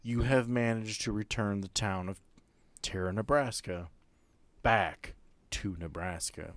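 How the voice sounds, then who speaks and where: Low-voiced game master, dry sound. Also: male voice, a little slow, a bit bright, dry recording. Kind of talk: narrating a tabletop role-playing game.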